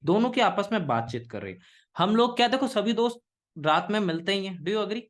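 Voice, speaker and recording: High-voiced Indian man teaching a class. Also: very animated. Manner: Hinglish, engaging students with questions; slow, pausing model sentences. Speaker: English teacher. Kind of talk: live online class.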